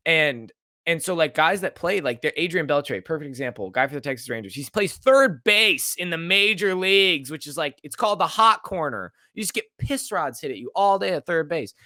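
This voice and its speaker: Young male podcast co-host, animated, joking storyteller with a bright, dry sound. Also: on the high side, normal speed, dry recording. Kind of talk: casual chat.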